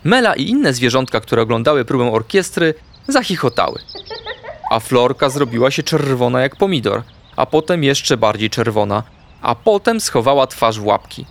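A man narrating a children's storybook in an expressive, sing-song way. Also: mid-range voice, moderate pace, gravelly.

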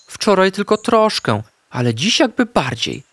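Guy doing a squeaky scared little puppy for a kids story, whiny and pleading, bouncy voice, dead dry sound. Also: very animated, a little slow, a bit bright, no echo, heavily acted. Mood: timid. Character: timid little male puppy, scared of doctors. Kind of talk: storybook character voice.

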